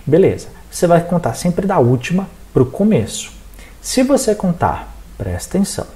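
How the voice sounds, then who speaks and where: Animated Brazilian teacher with a mellow voice. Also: mid-range voice. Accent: Brazilian Portuguese. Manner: animated, addresses students directly, checks in with frequent "tá?". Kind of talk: recorded exam-prep lesson.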